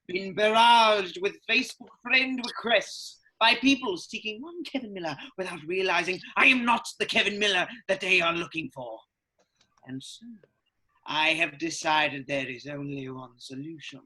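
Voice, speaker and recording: A performer playing a pompous, menacing gentleman host in a comedy sketch, with grandiose, drawn-out delivery. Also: mid-range voice, expressive, rough recording. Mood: pompous menace. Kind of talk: staged reading of comedy sketch.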